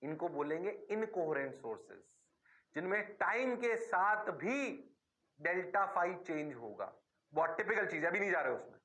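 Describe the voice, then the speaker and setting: With a high, pushed, bright voice, an Indian-accented physics teacher lectures his class. He stretches out his words and jokingly replies to himself in the students' voice.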